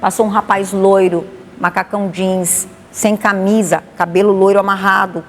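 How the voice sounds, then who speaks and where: A woman pastor with a Bahian accent, giving a lively spoken testimony and acting out the dialogue. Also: medium pitch, moderate pace. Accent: Bahian Portuguese. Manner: animated, acts out dialogue. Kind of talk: testimony storytelling. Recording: long reverb, faint noise.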